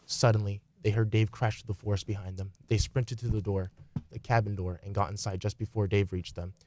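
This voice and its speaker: A man's voice: lowish voice, level tone, fairly quick, darkish tone, slight background noise. A man reading scripted story narration as the narrator of a radio play.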